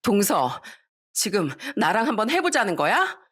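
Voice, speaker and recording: A woman's voice: medium pitch, big pitch swings, normal speed, fairly bright tone, husky. A woman voicing a haughty young sister-in-law who is a doctor, speaking in an indignant, huffy way.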